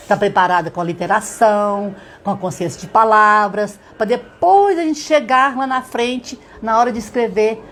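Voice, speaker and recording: A woman's voice: mid-range voice, slight background noise. Woman teacher explaining literacy. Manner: explains step by step, checks in with "tá?"; sounds out letters slowly. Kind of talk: live-streamed teaching talk.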